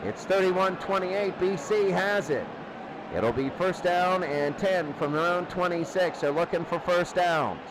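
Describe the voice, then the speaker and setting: A man's voice: high-pitched, unhurried. A man calling football play by play on the radio in short running calls, repeating downs and scores. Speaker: play-by-play sports announcer. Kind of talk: live American football radio commentary. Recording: loud crowd noise behind commentary. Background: noisy sports crowd.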